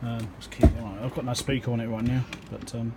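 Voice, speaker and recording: Heavy background noise accompanies a man speaking fast in a medium-pitched, level tone. With a New Zealand accent, this electronics repairer presents his work at an indoor bench in a casual, unscripted, matter-of-fact walkthrough.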